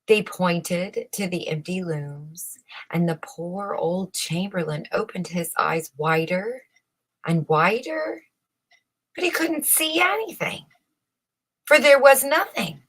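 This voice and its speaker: Female storyteller for a children's classic, lowish voice, unhurried, expressive scripted narration.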